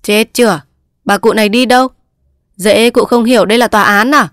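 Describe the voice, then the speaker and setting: A fussy court clerk, officious and quick to lecture, then polite and helpful, read by a woman narrator. Dry, close sound without any echo. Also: fairly high pitch, fairly bright tone, lightly acted. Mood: scolding.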